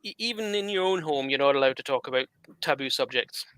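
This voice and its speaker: A man's voice: medium pitch, expressive, quick pace, fairly bright tone, clean tone. A man from Scotland co-hosting a casual podcast chat, teasing with dry humor. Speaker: podcast co-host.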